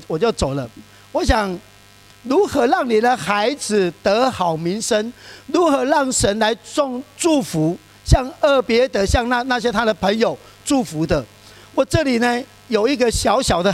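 A man with a high voice preaches to his congregation in an easy, conversational way. He keeps asking the listeners questions and fills his pauses with short sounds. A faint electrical hum sits under the recording. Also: poor audio. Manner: conversational preaching with frequent fillers and rhetorical questions. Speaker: pastor. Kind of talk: sermon.

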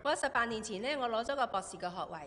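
A woman with a Cantonese accent interpreting a sermon, each phrase coming just after the preacher's. She talks fast in a slightly high voice. A long hall reverb trails behind her. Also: fairly bright tone.

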